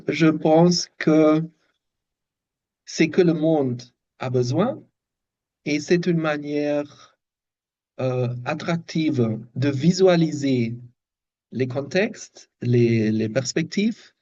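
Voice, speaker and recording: A man's voice: fairly high pitch, drawn-out words, long pauses, a little mellow, muffled recording. A German-accented man speaking in a second language on a video call, thoughtful and searching for words. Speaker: workshop participant, systemic design researcher. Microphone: video call microphone.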